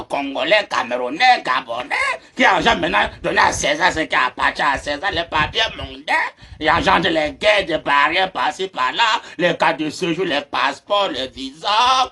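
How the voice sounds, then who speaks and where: Man, preacher, very high voice, raspy, mocking, laughing sermon. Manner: laughs through his words, shouting amens.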